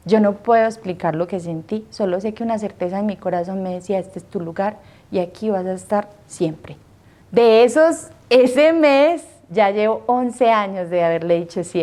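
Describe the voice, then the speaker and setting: A woman's voice: mid-range voice, mellow. A woman in her thirties from Colombia, a nun telling her personal vocation testimony with earnest emotion, acting out her own past words.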